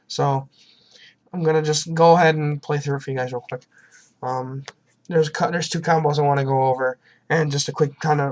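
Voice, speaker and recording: A young man, hoarse from a sinus infection, talks through a card game deck at his desk. He rambles in a loose, self-deprecating way, full of ums and restarts, and stops now and then to cough. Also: on the high side. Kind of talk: casual deck walkthrough. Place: at a desk at home, indoors.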